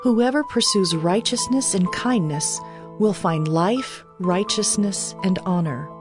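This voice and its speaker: Lady narrating bible verses, composed and measured, normal pitch, music behind her. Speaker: scripture reader. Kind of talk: dramatized Bible audiobook narration. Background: background music.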